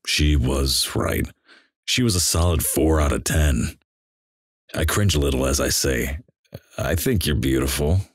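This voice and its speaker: A man reading internet stories aloud in a deadpan, flat manner. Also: very deep voice, slightly rough, dry recording, clean studio sound. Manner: deadpan, flat delivery of crude jokes.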